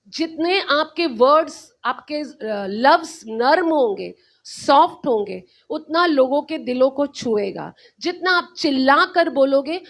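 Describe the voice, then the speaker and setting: A woman's voice: high voice, a bit bright. A woman hosting a motivational live-stream talk, speaking earnestly and preachily and repeating her key phrases. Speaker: host.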